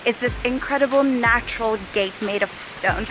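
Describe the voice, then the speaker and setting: Excitable young woman, blended accent. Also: a little high, normal speed, low-quality recording. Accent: blended British and North American. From Czech Republic. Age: 20s. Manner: chatty and excitable, laughs often. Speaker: travel vlogger. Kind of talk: casual vlog narration. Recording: music playing behind voice-over.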